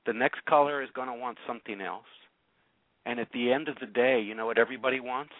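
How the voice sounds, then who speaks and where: Hosting a call-in radio show, a man of medium pitch speaks fast as he coaches a caller, asking probing and challenging questions and frequently repeating words to drive his point home. The recording is dry, with a narrow, phone-like radio sound.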